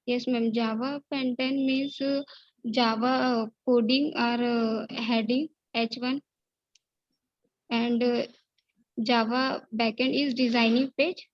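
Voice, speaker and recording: A young woman with an Indian English accent answers in halting English, stopping often to search for words. Her voice is set a little high and stays flat. The call audio sounds dry and muffled. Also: no echo. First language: Hindi. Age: young adult. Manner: hesitant, halting English with many fillers. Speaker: job candidate. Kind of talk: nervous interview answers. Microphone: video call.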